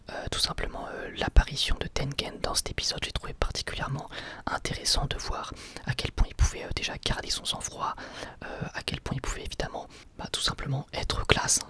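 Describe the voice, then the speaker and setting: Whispering ASMR reviewer, casual and enthusiastic. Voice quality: soft breathy whisper. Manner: casual, enthusiastic wording with slangy French. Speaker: host of an anime review channel.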